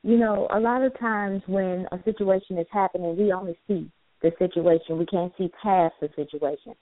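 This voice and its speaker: A woman's voice: fairly low pitch, no echo. A woman co-hosting a motivational call-in show, preachy and encouraging, repeating phrases and filling with "you know". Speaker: co-host. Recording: dry tinny phone line.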